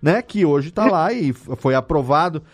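A man's voice: a little high, lively intonation, normal speed. A Brazilian man hosting a conversational podcast interview, speaking in an emphatic, colloquial way. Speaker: podcast host.

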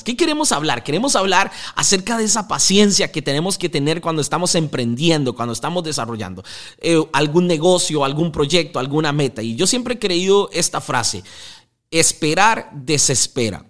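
A young man with a Costa Rican accent hosting a casual podcast, energetic and restless, laughing at his own jokes. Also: fairly high pitch, normal speed. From Costa Rica. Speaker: podcast host.

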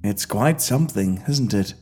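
A man voicing a courteous, amicable elderly gentleman who greets the newly dead in an audio story, with a gentle and soothing manner. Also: lowish voice, animated, moderate pace, faint music behind, natural voice. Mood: reassuring. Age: older.

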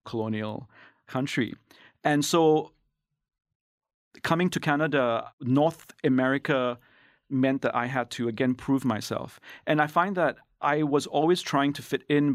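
A man from Singapore, an anthropologist, giving thoughtful, measured answers in an interview. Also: medium pitch, dry recording, clean studio sound. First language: English. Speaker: guest, anthropologist. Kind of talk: reflective interview talk.

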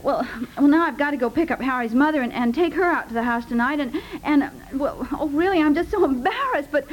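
A woman playing a flustered, apologetic, dithering neighbour with halting, repetitive speech in 1950s radio comedy. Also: high voice, expressive. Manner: halting, stammering, breathlessly repetitive. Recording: noisy vintage 1950s radio recording.

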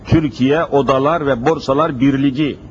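A man's voice: mid-range voice, steady tone, normal speed, a little mellow, breathy edge. A man preaching a sermon at a pulpit microphone, emphatic and full of repeated rhetorical questions. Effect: speaking at a pulpit microphone. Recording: dull lo-fi recording with faint hiss.

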